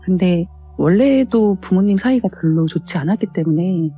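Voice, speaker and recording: Over background music, a female caller shares a personal ghost story in a polite, explanatory, chatty manner. Her voice runs low with a breathy edge, expressive at a moderate pace, and the audio sounds dull.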